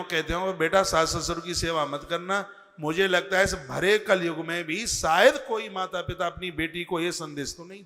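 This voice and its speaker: A man preaching a devotional sermon, speaking slowly and earnestly and chanting scripture verses. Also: high-pitched, sharp tone, big-room sound. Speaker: religious preacher.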